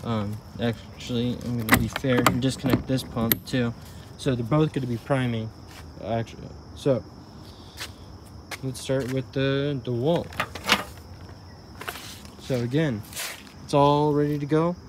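A man's voice: mid-range voice, steady tone, measured pace, pauses often, very noisy. A man casually reviewing pressure washers outdoors, talking in a rambling way with lots of fillers, recorded on a body-worn camera. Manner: rambling, self-correcting, filler-heavy. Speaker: tool reviewer. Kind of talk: casual product demo vlog. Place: outdoor garden walkway by a tree. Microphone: body-worn camera, first-person view.

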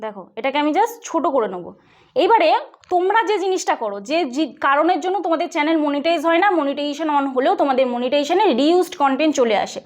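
With lively intonation and a quick, high-pitched delivery, a tech host with a West Bengal accent runs a casual tutorial vlog. She explains things in a chatty way and keeps checking in with listeners.

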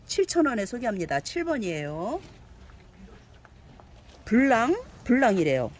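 A woman giving a cheerful live sales pitch for succulent plants, gushing and exclaiming over each one and chatting aloud to herself. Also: sing-song, measured pace. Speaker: succulent seller.

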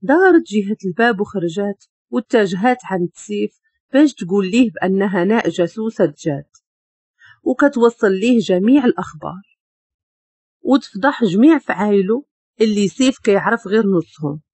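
Moroccan woman telling a story, lively pitch, husky mellow tone. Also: normal speed, dry recording. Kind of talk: story narration.

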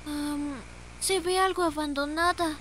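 A woman with a Latin American Spanish accent voicing a timid, sad, hesitant young boy in an animated horror short. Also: sits high, unhurried, slight background noise. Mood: uneasy.

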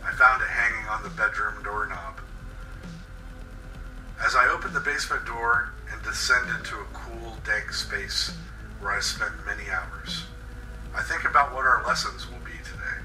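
A man reading a scripted first-person horror story in a deliberate, intense, dramatic way. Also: fairly low pitch, bright, forceful tone, far from the mic. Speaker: writer reading his own horror story. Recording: roomy echo, off-mic, faint music bed. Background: faint music.

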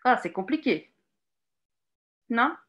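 Lively woman trainer on a video call. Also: fairly high pitch, slow pace, muffled recording. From Ukraine. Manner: lively, hesitant with frequent fillers, encouraging. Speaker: teacher trainer giving a webinar talk. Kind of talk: live online workshop presentation. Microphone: computer mic on a video call.

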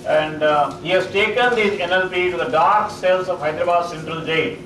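Indian guy presenting at a conference, lots of uh, roomy hall, heard from way back. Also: on the high side. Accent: Indian English. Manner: halting, with frequent uh fillers and restarts. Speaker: psychologist giving a conference talk. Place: large auditorium stage. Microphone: distant room mic, speaker standing on stage. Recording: echoey auditorium, far from mic, noisy.

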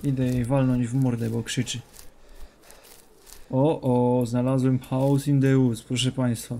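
A man's voice: mid-range voice, little pitch movement, unhurried, mellow. A young man commentating a horror game as a streamer, joking, talking to the game's characters and dropping English phrases. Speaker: gaming streamer.

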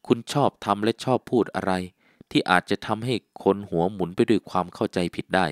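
A man reading the lines of a reserved, gruff nobleman in an audiobook, sounding almost scolding. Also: deep voice, fairly quick, no room sound, clean studio sound, natural voice.

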